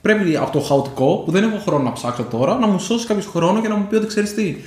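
A man's voice: sits high, expressive, darkish tone. A man co-hosting a podcast, chatting casually and circling back with fillers and restarts. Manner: rambling, many fillers and restarts. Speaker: podcast co-host. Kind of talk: casual chat. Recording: echoey room with faint noise.

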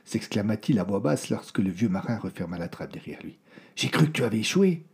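A man voicing an impatient ship captain who gives curt, hushed commands. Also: lowish voice, big pitch swings, a little fast, breathy edge, exaggerated voice.

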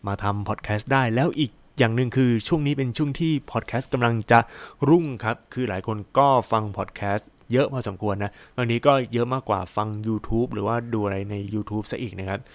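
A man's voice: fairly low pitch, brisk, few pauses, no room sound. A man hosting his own solo podcast, talking casually in a rambling, chatty way with lots of fillers and exclamations. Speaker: podcast host.

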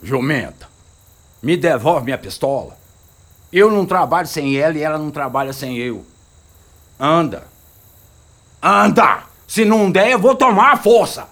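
A man's voice: a little high, animated, a little slow, pauses often, fairly bright tone, full character voice. An actor playing a cranky, swaggering, foul-mouthed gunman in a radio drama, with a rural northern Minas Gerais accent. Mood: grumbling. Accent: rural northern Minas Gerais Brazilian. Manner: grumbling, colloquial, cursing.

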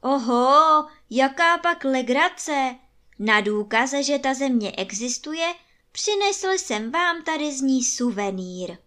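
A woman doing a boastful tall-tale gentleman. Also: high-pitched, animated, pitched above the performer's own voice. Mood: indignant. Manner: emphatic, indignant. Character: boastful adult male storyteller gentleman. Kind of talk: storybook reading.

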